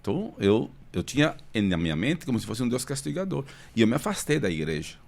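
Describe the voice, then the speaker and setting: A man's voice: mid-range voice, big pitch swings, fast, creaky, a little mellow. A middle-aged man from Colombia, a native Spanish speaker with a Colombian accent, giving an earnest personal testimony as a podcast guest and growing emphatic as he speaks. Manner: earnest, grows emphatic when stirred. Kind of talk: testimony in conversation.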